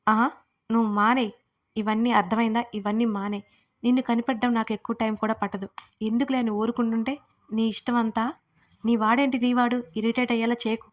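A woman's voice: fairly high pitch, little pitch movement, a little fast, natural voice. A woman voicing a hot-tempered young college man who scolds curtly in a storybook reading. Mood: threatening. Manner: curt, scolding.

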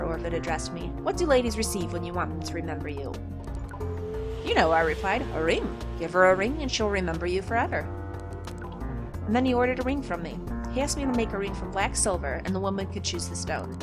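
A woman reading the part of a cranky old jeweler in a fantasy game, gruff and a bit loud, grumbling his story out. It sits on a middle pitch with a raised, pushy volume, and he keeps waving people off. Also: sing-song, a little fast, over music, close to an everyday voice. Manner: gruff, grumbling, calls the hero sonny. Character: grumpy old male jeweler. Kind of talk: reading game dialogue aloud.

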